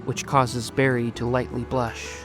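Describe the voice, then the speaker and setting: A man's voice: medium pitch, little pitch movement, a little slow. A man reading scripted third-person story narration for an audio drama. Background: music under the voice.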